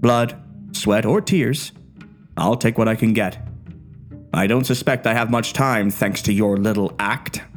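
A man's voice: on the low side, unhurried, soft background music, natural voice. A man voicing an unhinged obsessive doctor. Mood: menacing.

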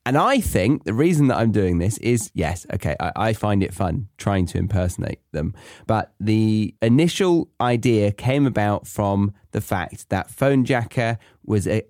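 A man's voice: on the low side, lively intonation, measured pace, darkish tone, no room sound, clean studio sound. A man hosting a podcast for learners, explaining things in a chatty way. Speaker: podcast host for language learners. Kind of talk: casual explanatory monologue.

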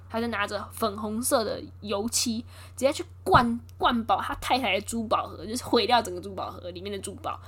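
A young woman hosting a casual chat, retelling a film scene by scene and acting out the characters' lines. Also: fairly high pitch. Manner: lively, acts out quotes with voice shifts and laughs.

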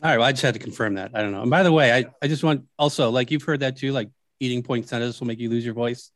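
Quick-talking man, joking panelist, close dry mic. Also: mid-range voice, no room sound. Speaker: podcast panelist. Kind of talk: casual sports podcast chat.

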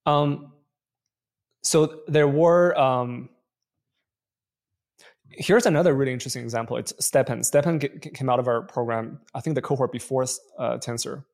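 Gravelly-voiced male investor, thoughtful. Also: medium pitch, normal speed, long pauses, darkish tone. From Canada. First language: Chinese. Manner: thoughtful, frequent fillers and restarts. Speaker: venture investor guest. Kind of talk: conversational interview answers.

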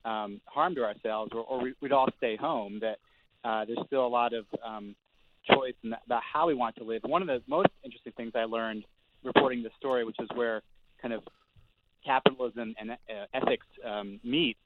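A male reporter appears as a guest in a panel discussion, speaking hesitantly with many fillers and restarts in a medium-pitched voice at normal speed. The audio comes over a tinny phone line with noticeable noise.

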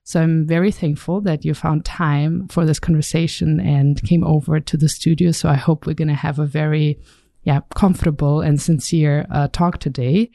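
Mellow-voiced woman hosting a podcast. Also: sits low, fairly even intonation, moderate pace, no echo, studio quality. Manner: polite, earnest. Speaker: podcast host. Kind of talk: scripted intro, then interview questions. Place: podcast studio.

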